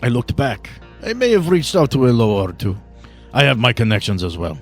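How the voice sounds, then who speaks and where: A man voicing a courtly, shrewd old vampire power broker, speaking in stiff, formal, deliberate phrases. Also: medium pitch, very animated, soft background music. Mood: intrigued, storytelling. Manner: formal, deliberate, avoids contractions. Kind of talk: in-character tabletop roleplay.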